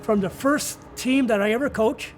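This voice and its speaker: An older man, a retiring coach, giving earnest, reflective interview answers in a deliberate way with pauses. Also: very high voice, faint music behind. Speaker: retiring college soccer coach.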